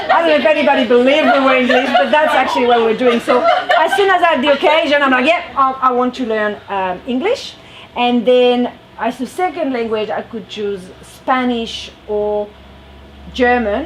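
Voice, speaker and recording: A high-pitched woman at a moderate pace over noticeable background noise. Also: lively intonation. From France. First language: French. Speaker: guest speaker talking to students. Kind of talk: informal talk to a youth group with questions.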